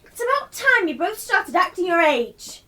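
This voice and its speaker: A woman's voice: extremely high pitch, very animated, normal speed, pushed and bright, full character voice. A woman playing a confused, exasperated newcomer, impatient and emphatic in her questioning, in a radio play. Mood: scolding. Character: confused, exasperated newly arrived woman demanding answers. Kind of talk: theatrical radio play acting.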